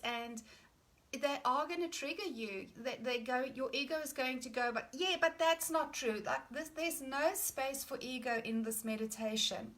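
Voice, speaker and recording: Bright-voiced woman leading healing meditation, unhurried. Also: sits high. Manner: earnest, deliberate, emphatic on key phrases. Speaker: meditation leader. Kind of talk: guided healing meditation talk to a live online group.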